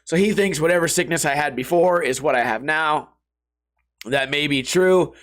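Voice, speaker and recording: Sick and partly voiceless, a young man from the US hosts his podcast in a hoarse, rough, slightly bright voice on the high side, at a moderate pace. He drifts from topic to topic, casual, slangy, and profane.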